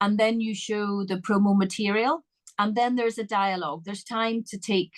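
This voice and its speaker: A woman is speaking. She has an Irish accent. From Ireland. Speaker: info session presenter for an arts network. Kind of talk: online info session Q&A.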